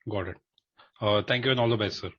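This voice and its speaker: The sound is dull and limited, as on a conference call. A man with a fairly low voice asks analyst questions. His phrasing is polite and tentative. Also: fast, a bit bright, husky.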